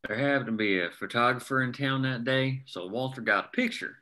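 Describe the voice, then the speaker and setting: Bright, plainspoken small-town family man read by a man. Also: medium pitch, fairly quick, natural voice. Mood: amused. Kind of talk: screenplay table read.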